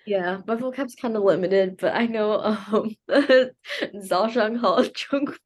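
A woman's voice: mid-range voice, slow pace, husky. A young woman guest on a podcast, talking from her bedroom in a rambling, hesitant way with frequent laughs. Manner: rambling, hesitant, lots of fillers and restarts, laughs often. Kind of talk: casual chat.

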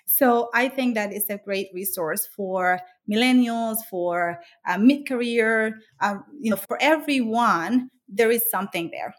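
A woman's voice: a little high, measured pace, hardly any pauses. A middle-aged woman from the Dominican Republic, talking earnestly in an interview about her work and life, with frequent restarts and fillers. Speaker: author and interviewee. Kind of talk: conversational interview.

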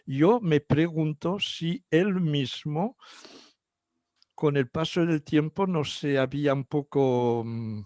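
A man's voice: a little high, takes it slowly, darkish tone, no echo. Older Catalan-native male guest, hesitant and full of restarts, dry close mic. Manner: hesitant, many fillers and restarts. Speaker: guest psychologist. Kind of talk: interview answers.

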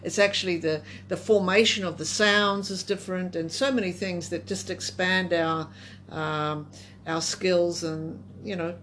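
A woman's voice: on the low side, fairly even intonation, unhurried, fairly bright tone, slight background noise. A woman moderating a conversational discussion, putting questions and responding.

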